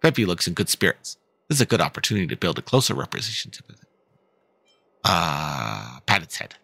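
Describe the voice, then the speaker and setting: Streamer man, gravelly, animated dialogue reading. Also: low-pitched, a little fast, no room sound. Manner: casual, playful reading with asides. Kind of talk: reading game dialogue aloud.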